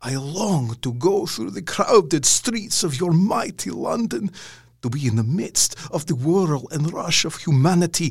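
An actor playing a courtly, sinister vampire count in a gothic audio drama, speaking formally and with command. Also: male voice, on the high side, vocal fry, breathy edge, no room sound, clean studio sound, heavily acted. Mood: yearning. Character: courtly, sinister male vampire count, imperious and hungry for life.

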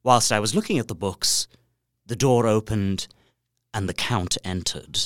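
A man's voice: lowish voice, unhurried, no echo, studio quality, natural voice. An actor playing a polite, observant and uneasy young solicitor, narrating his journal earnestly and precisely in a gothic audio drama. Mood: vexed, curious. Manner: precise, earnest, theatrical storytelling.

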